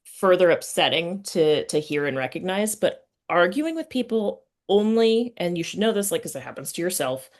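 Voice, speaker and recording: Low-pitched woman in thoughtful conversation. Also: lively intonation, normal speed, hardly any pauses. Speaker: interviewer and host. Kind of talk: casual conversational interview.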